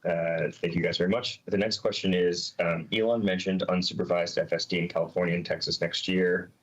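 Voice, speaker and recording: Male call moderator, low register, reading out questions over slightly dull audio. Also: little pitch movement, a little fast, a bit bright.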